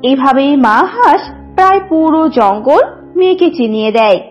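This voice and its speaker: A woman narrates a children's story in a high, very expressive voice. Music plays behind her, and the sound is slightly dull. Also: moderate pace.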